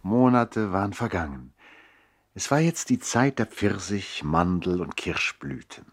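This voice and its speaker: An actor narrating a radio play as a reflective brother telling a tale in a measured, literary way, with a husky voice. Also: male voice, low-pitched, big pitch swings, heavily acted. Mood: calm, wry. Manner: measured storytelling.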